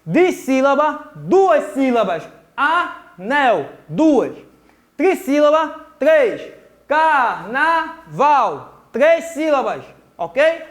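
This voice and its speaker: A man with a high voice and a Brazilian Portuguese accent teaches a remote grammar lesson for young children. He talks slowly and patiently, says key words twice and keeps checking that the class follows along. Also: sing-song. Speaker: primary school teacher.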